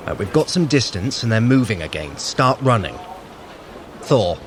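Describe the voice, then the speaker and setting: A sly trickster god played by a man guides a runner through an audio drama. The pitch moves freely as he gives furtive, commanding instructions, over clear outdoor bustle. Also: sing-song, moderate pace, slight background noise, lightly acted. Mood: urgent, furtive. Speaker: workout guide.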